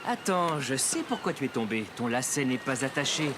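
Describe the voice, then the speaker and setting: Patient, lively-toned cartoon dad played by a man. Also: medium pitch, moderate pace, heavy background noise, natural voice. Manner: gentle, reassuring, instructive. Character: patient, encouraging adult father of small boy. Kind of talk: children's cartoon dubbing.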